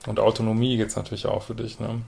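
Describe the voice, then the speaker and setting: Blunt man with a gravelly voice. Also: fairly low pitch, flat delivery, fast, darkish tone. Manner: blunt and direct, often ends with a questioning "ne?". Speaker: couples therapist and podcast host. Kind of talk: reading out and commenting on a listener's letter.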